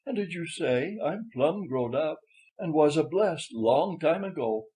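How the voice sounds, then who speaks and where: Man voicing a polite young lady, lifted pitch. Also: animated, unhurried, mellow, rough recording. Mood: polite, friendly. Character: grown-up young Southern lady, polite and frank.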